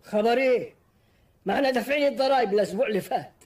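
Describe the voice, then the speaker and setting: A put-upon merchant in a historical film. His voice is very high. He sounds resigned and complies grudgingly. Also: rapid-fire, a little mellow.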